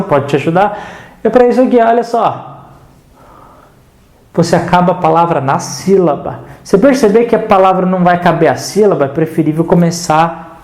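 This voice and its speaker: A man teaching an online writing lesson in Brazilian Portuguese, lively and casual, answering the students' doubts he voices himself. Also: sits high, reverberant. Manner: addresses the viewer casually, checks in with "tá?".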